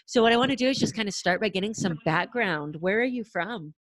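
A woman hosting an interview podcast and coaching pitch, talking in an upbeat, chatty way with casual fillers. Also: expressive, brisk, a bit bright, no room sound, low-quality recording.

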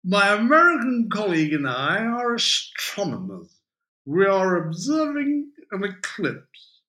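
A man's voice: high-pitched, wildly swooping pitch, unhurried, sharp tone, reverberant, pitched above the performer's own voice, full character voice, poor audio. A man voicing a drunken, romantic young expatriate who talks in gasping exclamations. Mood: mock-formal.

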